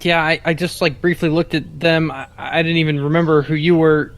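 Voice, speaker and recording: A man's voice: fairly high pitch, fairly even intonation, a little fast, close to an everyday voice. A man playing a flustered man turned plant creature in denial, stammering and repeating himself in agitation during a tabletop game. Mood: overwhelmed, impatient.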